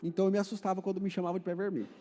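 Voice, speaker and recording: A man's voice: sits high, level tone, rapid-fire, mellow, big-room sound, soft background music. A man from Paraná, Brazil, with a Paraná Brazilian Portuguese accent, preaching a sermon in a church and putting questions to the congregation. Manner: conversational, asks the congregation questions. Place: church hall.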